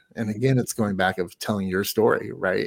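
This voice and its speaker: In a very clean recording with a silent background, a man uses a normal speaking voice, fairly low in pitch, with ordinary pitch variation. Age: 50s. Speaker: author and podcaster, guest. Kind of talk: casual interview chat.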